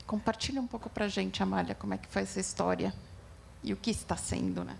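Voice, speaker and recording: A woman's voice: mid-range voice, fairly even intonation, fast, vocal fry, slight background noise. A woman moderating a panel in a conversational way, often tagging her remarks with questions.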